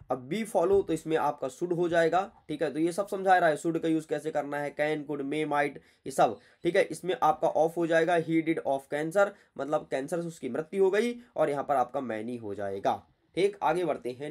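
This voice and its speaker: A male teacher works through an exam paper in a lesson. His voice sits on the higher side, and he talks in a blunt, chatty way, scolding his students as he goes. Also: darkish tone.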